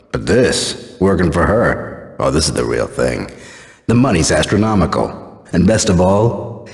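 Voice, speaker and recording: A man's voice: very deep voice, gravelly, full character voice. A man playing a chatty, laid-back goon in a video game, conversational and a bit boastful. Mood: jaded, boastful. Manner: conversational, musing. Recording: echoey room, long reverb.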